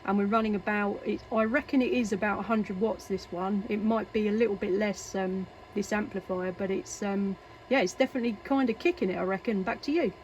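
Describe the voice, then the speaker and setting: An Englishwoman with a mid-range, fairly even voice chats briskly on CB radio from her home workshop, sounding hesitant and talkative. She operates CB radio and makes videos. Radio static and hiss make the recording noisy.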